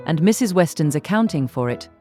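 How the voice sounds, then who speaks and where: A woman reading a literary audiobook as narrator, measured and articulate. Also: sits low, expressive, mellow, faint music behind.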